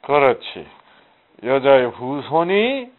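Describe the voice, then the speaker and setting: Guy teaching bible study, slow and swingy voice, asks himself questions, sounds like over a phone. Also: mid-range voice, very animated. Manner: rhetorical questions answered himself, emphatic. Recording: muffled phone-like audio.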